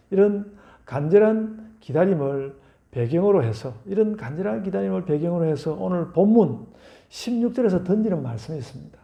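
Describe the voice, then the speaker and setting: Audible room echo surrounds a man with a dark, mellow tone who speaks at a moderate pace, a fairly high pitch and very wide pitch swings. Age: 60s. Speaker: pastor. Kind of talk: sermon. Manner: repetitive, halting with self-corrections.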